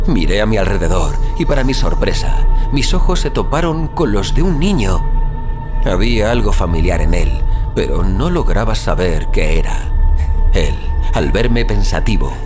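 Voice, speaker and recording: A troubled man on a strange journey , acted by a man, tells his haunting dream as audio fiction. His voice sits fairly low and moves with very animated intonation. He is theatrical and suspenseful, pausing for effect, with prominent music behind him. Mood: awed, suspenseful. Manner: theatrical, suspenseful, with deliberate dramatic pauses. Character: troubled male wanderer recounting a haunting dream. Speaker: narrator. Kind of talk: dramatic first-person audio fiction narration.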